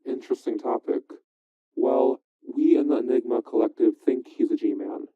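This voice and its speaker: Tinny-filtered, guarded conspiracy hacker. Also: male voice, mid-range voice, normal speed, no echo. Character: guarded male conspiracy hacker, paranoid, prickly, secretive. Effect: cheesy retro computer voice filter. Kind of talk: audio drama phone dialogue. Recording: tinny, band-limited phone-like filter.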